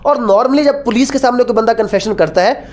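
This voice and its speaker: A law lecturer with a Pakistani accent explains her subject didactically, switching between languages and English, posing and answering her own questions and repeating key phrases. Her voice is on the high side and darkish in tone, and she speaks briskly.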